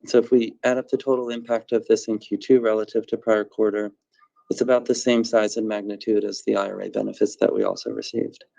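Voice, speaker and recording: A man speaking as a company executive, giving measured, explanatory answers on an earnings call over muffled conference audio. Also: lowish voice, level tone, gravelly, dark tone.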